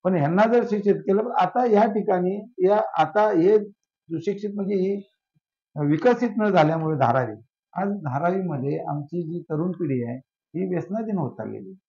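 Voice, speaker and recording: A man's voice: sits high, expressive, moderate pace, warm tone. A man, a social worker, speaking in an impassioned interview, asking rhetorical questions and piling up long lists. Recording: dull lo-fi sound.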